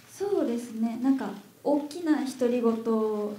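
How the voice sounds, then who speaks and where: Audible room echo surrounds a woman's high-pitched voice, which shows ordinary pitch variation. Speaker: actress. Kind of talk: press conference answers. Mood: shy, soft, smiling. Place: hall. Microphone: handheld.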